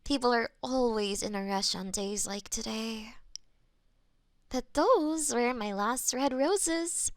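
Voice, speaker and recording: A woman performing a gentle audio roleplay as a florist friend, soft-spoken and a little flustered, recorded on a binaural microphone. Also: a little high, slow pace, no room sound, clean studio sound.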